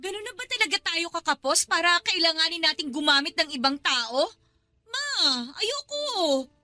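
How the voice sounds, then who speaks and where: Earnest young daughter, piercingly high. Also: female voice, big pitch swings, normal speed, sharp tone, dry recording, exaggerated voice. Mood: indignant, upset. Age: young adult. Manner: emotional, earnest, protesting. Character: principled, upset young student daughter, earnest and defiant. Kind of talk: Tagalog radio drama acting. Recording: background music under dialogue.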